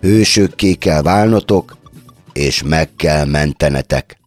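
A man's voice: rumbling low, faint music behind. A man hosting a radio show, delivering a playful, mock-solemn comic monologue addressed to children.

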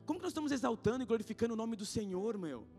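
A man in his thirties with a Brazilian Portuguese accent, preaching in church. He talks in slangy, casual asides, swinging between loud exhortation and hushed storytelling. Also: extremely high pitch, animated, very fast. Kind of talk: sermon. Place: church sanctuary. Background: faint guitar music.

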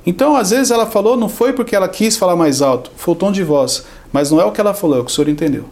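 Brazilian man, podcast guest, gravelly and brisk, teaches through acted-out quotes. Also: sits high, expressive, darkish tone. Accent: Brazilian Portuguese. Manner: explains with everyday examples and acted-out quotes. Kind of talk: conversational teaching.

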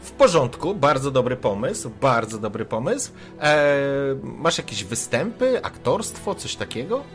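Animated male game master. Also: medium pitch, unhurried, faint music behind. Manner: lively, animated narration with hesitant fillers. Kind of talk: narrating a tabletop role-playing game.

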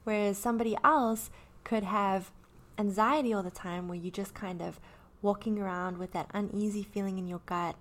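A woman in her early thirties talking candidly about her own anxiety, rambling with many fillers and restarts. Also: on the low side. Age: 30s. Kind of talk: personal talk about anxiety.

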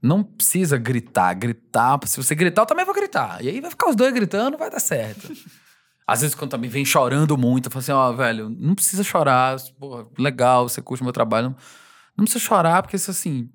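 A male singer talking casually in an interview. He rambles freely, laughs often and slips into quick impressions of fans. His voice sits at an ordinary pitch. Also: lively intonation, fairly bright tone.

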